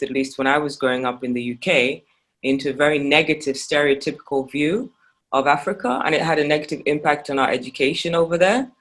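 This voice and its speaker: A man from Uganda, raised in Kenya and the UK, interviewing a guest, measured and hesitant with frequent ums. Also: fairly high pitch, fairly bright tone. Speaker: interviewer, filmmaker. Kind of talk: interview questions and dialogue.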